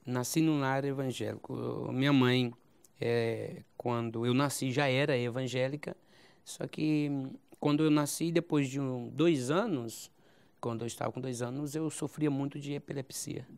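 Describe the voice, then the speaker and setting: A Brazilian pastor in his forties with a Goiás accent tells his testimony at a halting pace, often doubling back and adding "né?". His voice is smooth and resonant, sitting at a middle pitch for a man. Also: steady tone, a little mellow. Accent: Brazilian Portuguese, Goiás. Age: 40s. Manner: halting, repeats phrases, adds "né?", laughs easily. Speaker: pastor, interview guest. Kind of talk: recounting a personal testimony.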